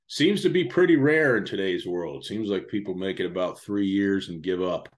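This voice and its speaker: A man in his forties with a very low, booming voice that he calls a radio voice. He talks easily and at length as an interview guest, stopping often for an "uh" or "um". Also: normal speed. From United States. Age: 40s. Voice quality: loud, resonant radio-style voice. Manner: relaxed, steady storytelling with frequent "uh" and "um". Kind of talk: casual interview chat.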